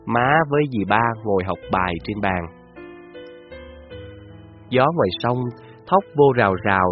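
A man's voice: medium pitch, highs cut off. Man narrating a ghost story. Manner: measured, descriptive storytelling.

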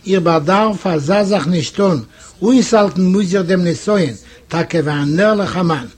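A man from Eastern Europe reading a classic story aloud in measured storytelling. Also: high voice, animated, darkish tone, slightly rough. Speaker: audiobook narrator. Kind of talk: scripted literary narration.

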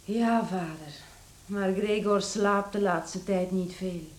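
An actress playing a touchy, earnest young daughter in a radio drama. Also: female voice, medium pitch, slow pace, natural voice. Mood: subdued, tired.

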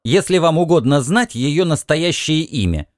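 Man voicing a sharp, snappish alien housewife. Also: fairly high pitch, animated, moderate pace, no echo, clean studio sound, pitched above the performer's own voice, lightly acted. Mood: curt. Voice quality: sharp metallic voice. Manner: snappish, dismissive. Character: sharp-tongued busy alien housewife, curt and fussy.

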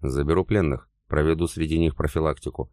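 A man's voice: a bass voice, fairly even intonation, brisk, darkish tone, no echo, clean studio sound. A man reading the lines of a scornful SS sergeant, curt and mocking.

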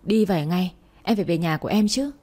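A woman's voice: fairly low pitch, lively intonation, fairly quick, mellow. A woman voicing a stern young man who keeps scolding and urging his girlfriend, in a storybook reading. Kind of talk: storybook narration.

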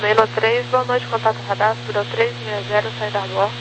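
Brazilian guy on the radio like a walkie talkie, controller, high voice, terse clipped calls, lots of hiss. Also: steady tone, a little fast. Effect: heard over a two-way radio. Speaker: air traffic controller. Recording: noisy radio transmission from afar.

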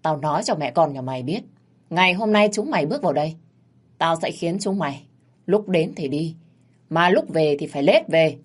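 A woman narrator voicing a fierce older mother who threatens and scolds harshly, with a husky low voice. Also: expressive, moderate pace. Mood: furious. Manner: harsh, threatening, shouting abuse.

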